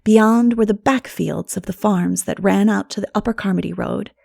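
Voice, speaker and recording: A woman reading a classic novel aloud as an expressive audiobook narrator. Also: mid-range voice, moderate pace, gravelly, no echo, clean studio sound.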